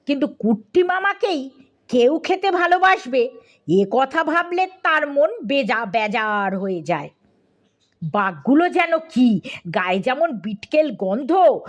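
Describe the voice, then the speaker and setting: A woman narrating a comic audiobook story in a lively, playful way, speaking to the listener. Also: high voice, unhurried.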